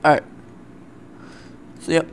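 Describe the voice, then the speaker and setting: A young man hosting a let's play, talking loosely with lots of fillers, his voice a bit raspy from the morning, at a desktop mic at home. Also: slow, slight background noise. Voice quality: loose, rambling, filler-heavy. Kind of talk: casual gameplay commentary.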